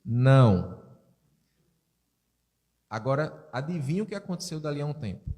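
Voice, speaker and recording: Guy giving a spiritist talk, tells stories, keeps asking the crowd questions, lively up and down voice. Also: fairly high pitch, fast. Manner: storytelling, asks the audience rhetorical questions. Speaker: spiritist lecturer. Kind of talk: spiritist sermon.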